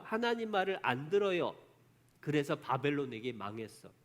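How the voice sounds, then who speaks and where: A man teaching an online Bible lesson for children. He keeps asking the kids questions and then answering them himself, telling the story with strong emphasis. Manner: emphatic storytelling with big pitch swings.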